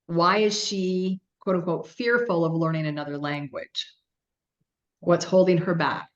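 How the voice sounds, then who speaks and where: A woman's voice: fairly low pitch, steady tone, unhurried, muffled recording. A woman business coach in a conversational coaching session, guiding with questions and often checking in with "right?". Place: video call.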